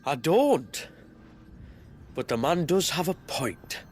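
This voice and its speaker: An actor playing a defiant tribal chief in a video game, speaking earnestly and emotionally. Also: male voice, on the high side, very animated, slow pace, a little mellow. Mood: resigned. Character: desperate, defiant young tribal chief, male. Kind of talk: dramatic game dialogue. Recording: music behind.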